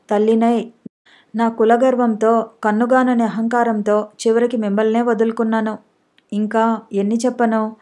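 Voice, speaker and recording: A woman voicing a frail, gravely ill young wife who pleads tearfully for forgiveness, read in an audiobook. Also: fairly high pitch, warm tone, close to an everyday voice.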